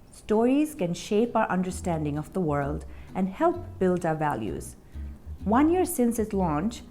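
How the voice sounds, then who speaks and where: A woman's voice: mid-range voice, darkish tone, slight background noise. A woman presenting a scripted promotional narration as the voice of an educational initiative. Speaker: presenter for a read-aloud initiative.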